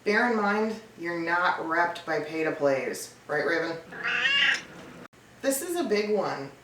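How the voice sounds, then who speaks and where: A woman with a slightly low voice gives coaching tips in a blunt, emphatic, conversational way. She sounds set back from the microphone in a clearly echoey room, with faint noise underneath. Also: very animated, slow, loud music behind the voice. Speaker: voice-over coach and casting professional. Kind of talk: direct-to-camera advice video, tips list. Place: indoor room with a cat nearby. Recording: roomy, distant mic, some background noise.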